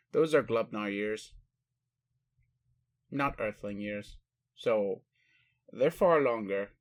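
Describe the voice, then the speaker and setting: A man playing an ancient alien father in a roleplay audio, speaking formally with pauses to his adopted human, fond and bemused. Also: medium pitch, close to an everyday voice. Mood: earnest. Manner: slow, formal phrasing with pauses, addresses listener as human. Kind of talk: roleplay audio addressed to the listener.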